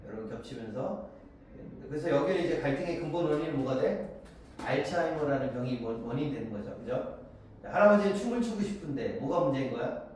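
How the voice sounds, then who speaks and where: A man's voice: a little high, expressive, darkish tone. A man in his forties teaches a literature class from the front of a big classroom, his voice rising and falling a lot as he talks. He keeps asking students to agree and acts out bits of dialogue. The sound is very echoey and distant, with a faint hiss underneath. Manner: acts out the lines of characters and students in quick voices. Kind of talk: classroom lecture.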